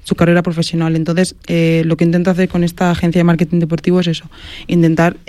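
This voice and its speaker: A woman's voice: fairly low pitch, monotone, fast talker, warm tone, dry recording. A woman from Madrid, a guest in a casual interview, talking earnestly with many fillers and self-corrections. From Madrid, Spain. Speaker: guest, sports marketing agency founder.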